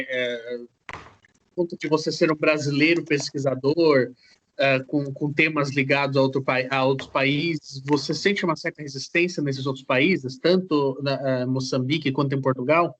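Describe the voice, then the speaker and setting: A man hosting a casual podcast interview, his voice pitched a little higher than most men's. He builds his questions slowly and halts often, searching for the right word before pressing on. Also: a bit bright, slight background noise. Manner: halting, searching for words in questions. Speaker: podcast host.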